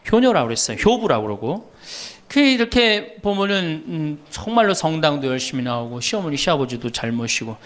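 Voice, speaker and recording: A middle-aged man, a Catholic priest, giving a humorous lecture, telling stories and teasing the audience with questions. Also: sits high. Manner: animated storyteller, teasing questions to the audience, laughs often.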